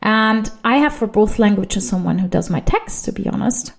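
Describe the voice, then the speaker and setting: A woman's voice: medium pitch, animated, normal speed, creaky. A woman from Switzerland, Swiss German her first language, speaking English with a Swiss German accent as she hosts a solo podcast in a chatty, rambling way, often correcting herself mid-sentence. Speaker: podcast host.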